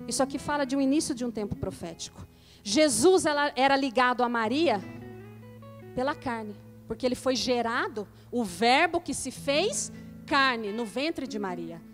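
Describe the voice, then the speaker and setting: A woman pastor preaching a sermon to her congregation, mixing scripture reading with lively asides and call-and-response. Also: on the high side, normal speed, faint music behind. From Brazil. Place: church.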